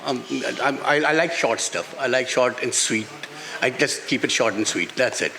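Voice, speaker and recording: Bright and sharp, the medium-pitched voice belongs to a Pakistani-accented author and playwright being interviewed on a festival stage at a book event, with an audience present. His unscripted delivery is halting, with repeated phrases. Long hall reverb and faint background noise color the recording.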